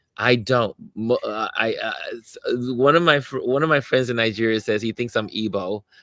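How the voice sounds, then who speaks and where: Bright, sharp-toned man with an American accent, medium pitch, moderate pace and ordinary pitch variation. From USA. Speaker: talk show co-host. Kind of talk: casual chat. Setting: live stream.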